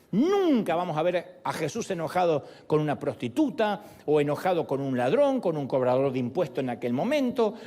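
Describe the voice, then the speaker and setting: A middle-aged man delivers a sermon with theatrical flair, his fairly high voice rising and falling widely. He voices quotes and punchlines dramatically as he preaches. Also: a little mellow. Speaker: pastor.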